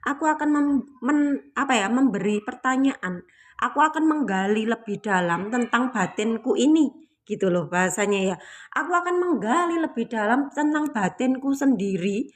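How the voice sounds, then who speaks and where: A woman's voice: a little high, animated, moderate pace. A woman giving a reflective spiritual talk to her listeners, patient and explanatory, often repeating her key points. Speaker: spiritual teacher.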